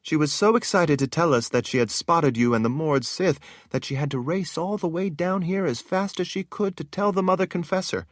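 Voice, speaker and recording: A man's voice: fairly high pitch, normal speed, few pauses, no echo, clean studio sound, voice pushed up, lightly acted. A man voicing an eager, chatty palace woman who gushes as she talks. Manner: bubbly, gushing.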